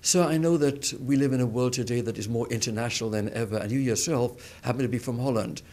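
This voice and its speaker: A man's voice: medium pitch, fast, a little mellow. A man hosting a TV interview show, asking questions in a formal, polite way, addressing his guest as sir.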